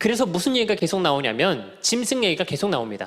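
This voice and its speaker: The man speaks at a very fast pace in a high voice. His intonation is lively. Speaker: pastor and cult counselor. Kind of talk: seminar lecture. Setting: live seminar with audience.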